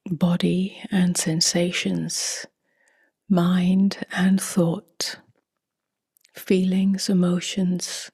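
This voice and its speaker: A woman leading a guided meditation in a soft, breathy half-whisper, with calm, gently spaced phrases. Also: lowish voice, drawn-out words, dry recording, studio quality. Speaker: meditation teacher.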